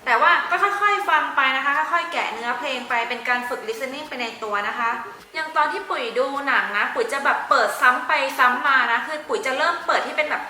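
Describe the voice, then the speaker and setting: A young adult woman giving study tips in a casual tutorial vlog, chatty, with frequent soft polite sentence endings. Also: high-pitched, fairly quick. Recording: roomy echo with faint background music.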